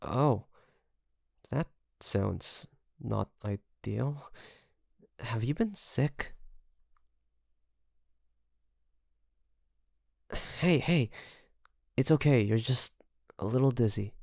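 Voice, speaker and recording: A man playing a secretly obsessive best friend in an intimate audio roleplay, coaxing and hesitant, with sighs and pauses. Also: mid-range voice, expressive, vocal fry, darkish tone, no echo, studio quality, full character voice. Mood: feigned worry.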